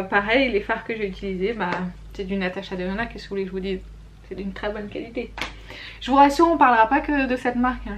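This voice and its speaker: A woman's voice: mid-range voice, highs cut off, a little hiss or hum. Chatty woman reviewing beauty products. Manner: chatty and candid, with frequent fillers and self-corrections. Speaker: beauty vlogger. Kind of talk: casual monthly favorites and flops review.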